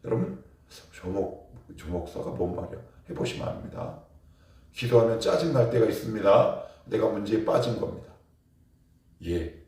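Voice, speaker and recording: A pastor giving an emphatic sermon at a morning prayer service, often asking the congregation questions and prompting them to answer. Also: male voice, fairly low pitch, normal speed, warm tone. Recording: very echoey church from far off.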